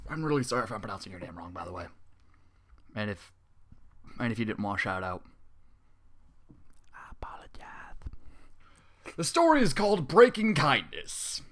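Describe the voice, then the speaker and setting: Speaking at medium pitch with a slightly bright tone, a man narrates a fan story as a fanfiction reader, pausing between passages for fed-up, swearing comic outbursts.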